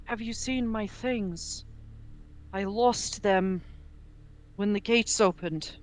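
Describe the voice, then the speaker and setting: A woman's voice: mid-range voice, slow, lightly acted. A woman voicing the ghost of a lost Imperial man, bewildered and pleading.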